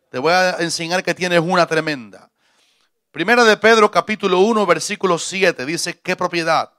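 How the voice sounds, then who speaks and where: A jovial, middle-aged visiting pastor from Cuba delivers a sermon in church through a handheld mic, joking with the congregation in a preacherly way. His voice is slightly high and fairly bright, and the sound is dry, close, and free of echo.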